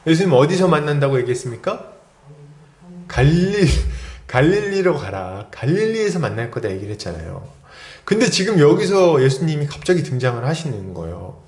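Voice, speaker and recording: Story-telling pastor in an echoey hall. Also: male voice, on the high side, big pitch swings, brisk, darkish tone. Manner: storytelling, acting out quoted lines, asks the congregation questions. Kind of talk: expository sermon.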